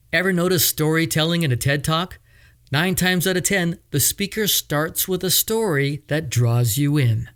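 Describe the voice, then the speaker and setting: A man's voice: fairly high pitch, fairly bright tone. A man hosting a podcast, narrating a scripted story in a dramatic, emphatic way. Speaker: podcast host and coach.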